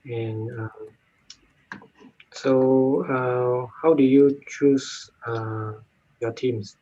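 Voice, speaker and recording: A man's voice: medium pitch, fairly even intonation, extremely slow, dark tone. A man from Singapore, a judge hesitantly putting a question to contestants over a video call. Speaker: competition judge. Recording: dull lo-fi call audio.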